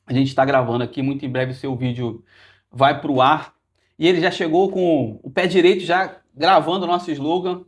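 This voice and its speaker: This man hosts a podcast and chats casually with a guest in a joking, playful way. His Brazilian Portuguese has a Rio de Janeiro area accent, and his slightly high voice keeps a moderate pace.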